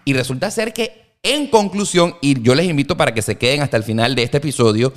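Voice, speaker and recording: A man with a Venezuelan accent co-hosting a casual podcast chat, joking and lively. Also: medium pitch, a little fast. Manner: lively, joking, imitates Colombian slang. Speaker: podcast co-host.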